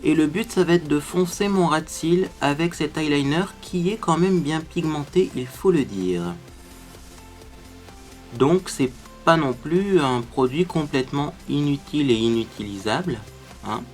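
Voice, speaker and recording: A man's voice: on the high side, expressive, a little slow, faint music behind. A man hosting a makeup tutorial, chatting to viewers as he explains each step. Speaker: beauty tutorial host. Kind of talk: casual makeup tutorial talk.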